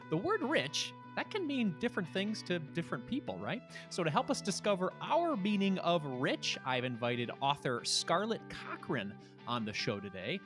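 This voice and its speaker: A man hosting a podcast, introducing his guest and asking questions in an upbeat, friendly way. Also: sits high. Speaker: podcast host.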